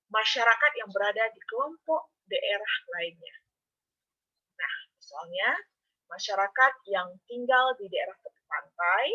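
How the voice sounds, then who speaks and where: Woman lecturer, bright voice, talks students through it step by step, slightly muffled recording. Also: medium pitch. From Indonesia. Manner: explains step by step, addresses students directly. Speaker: university lecturer. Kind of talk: online lecture.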